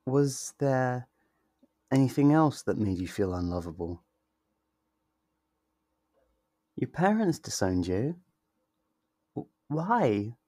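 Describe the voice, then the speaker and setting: A man's voice: lowish voice, mellow, no room sound, clean studio sound. A man playing a sweet, possessive yandere lover in an intimate ASMR roleplay, tender and reassuring. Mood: protective, concerned. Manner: tender, reassuring, slow and deliberate.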